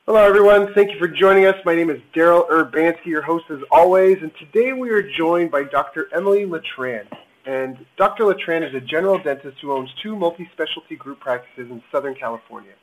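A man's voice: fairly high pitch, poor audio. A man hosting a podcast, upbeat and eager as he introduces and questions his guest. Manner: upbeat, eager and quick-talking. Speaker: podcast host. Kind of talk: podcast interview and promo outro.

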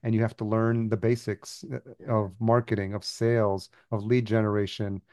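A man's voice: on the low side, level tone, normal speed, a little mellow, no echo, studio quality. A man from El Salvador, a podcast agency founder, telling his story as a guest in a casual interview and laughing easily.

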